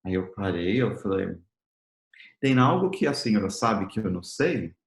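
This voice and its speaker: A man's voice: on the low side, big pitch swings, normal speed. A man from the United States with an American accent, preaching a conversational sermon as a missionary in a language that is not his first, often ending his phrases with a tag question. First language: English. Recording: roomy echo.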